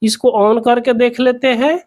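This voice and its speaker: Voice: mid-range voice, flat delivery, unhurried, a little mellow, slight background noise. A person explaining a repair step by step in an instructional, repetitive way, as the host of a tutorial.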